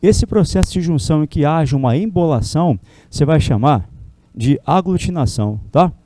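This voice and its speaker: A man's voice: a little high, lively intonation, moderate pace, mellow. A Brazilian man teaching a classroom lecture in a chatty way, forever tossing tag questions at his students. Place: classroom with a whiteboard.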